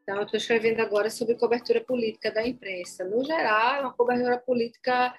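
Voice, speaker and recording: A woman from Pernambuco, a journalist and academic, answering interview questions in a measured, analytical way. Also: a little high, steady tone, lo-fi sound. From Pernambuco, Northeast Brazil.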